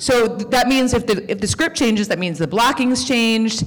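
Lively intonation marks speech in a Chicago accent, heard over noticeable background noise. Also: woman. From US Midwest, Chicago. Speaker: actor. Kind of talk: casual chat. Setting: stage with audience.

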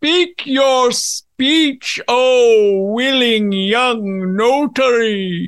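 A female-sounding put-on character voice speaks at a fairly high pitch. It moves very slowly, with hardly any pauses. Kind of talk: comic overacting. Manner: pompous, imperious, impatient.

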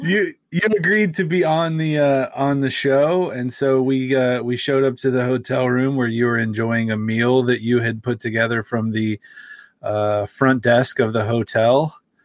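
A man speaks in an ordinary speaking voice with an American accent, at a medium pitch with ordinary pitch variation. His pace is moderate. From US Midwest, Cincinnati, Ohio. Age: 40s. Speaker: comedian. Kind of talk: casual chat.

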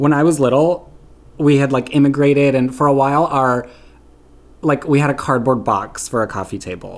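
With an unremarkable speaking voice, a man talks at a fairly high pitch and a moderate pace. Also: ordinary pitch variation. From Canada. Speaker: comedian. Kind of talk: casual chat.

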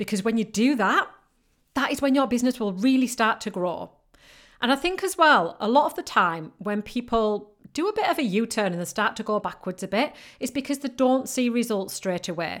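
A woman with a northern English accent talks at a fairly quick pace and a fairly high pitch, with very wide pitch swings. The recording is very clean, with a silent background. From northern England. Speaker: business coach and podcast host. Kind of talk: solo podcast monologue.

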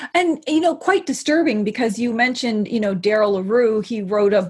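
This woman's voice sounds somewhat breathy. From Mi'kma'ki, Atlantic Canada. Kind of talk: interview.

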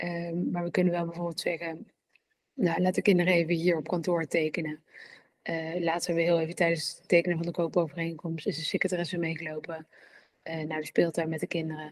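The voice is monotone and flat, delivered at a fairly quick pace. Its loudness swings widely. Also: woman, fairly low pitch for a woman. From Netherlands, Arnhem (Gelderland). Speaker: real estate agent. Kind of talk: interview.

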